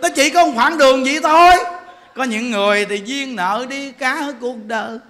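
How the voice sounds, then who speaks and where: A monk in his forties with a Southern Vietnamese accent gives a humorous Dharma talk, chatting, laughing often and firing rhetorical questions at his listeners. His very high voice moves at normal speed and has a sharp tone.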